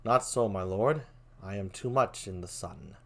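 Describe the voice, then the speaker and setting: A man reads a brooding young prince in mourning, in Shakespearean verse. His delivery is subdued and often drops low in pitch, with a bitter grief. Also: unhurried, creaky, fairly bright tone, full character voice. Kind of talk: theatrical Shakespeare reading.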